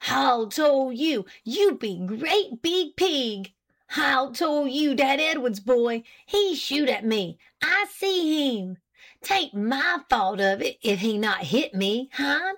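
Woman playing an excitable man. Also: sits high, takes it slowly, voice pushed up, heavily acted. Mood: furious. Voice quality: broken dialect English, protesting and wheedling. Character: excitable French-Canadian man, sly and indignant witness.

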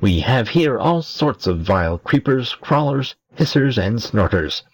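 A man voicing a tiny, lively male imp who teases and mocks, with a husky voice. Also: medium pitch, a little slow, voice pushed up, exaggerated voice. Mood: mocking. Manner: teasing, mocking.

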